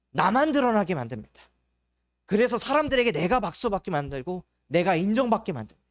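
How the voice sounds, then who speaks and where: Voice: mid-range voice, no echo, clean studio sound. A junior pastor preaching at an evangelism school, explaining step by step with rhetorical questions and acting out complaining inner thoughts.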